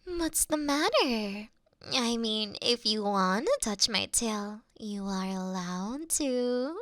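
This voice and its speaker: A teasing, affectionate fox-spirit priestess, played by a woman, speaks in intimate ASMR roleplay style. Her feminine voice sits a little high and moves slowly, often melting into breathy whispers. The sound is close and dry, with a coy, mischievous lilt. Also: expressive, fairly bright tone, no room sound. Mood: playful, flirty.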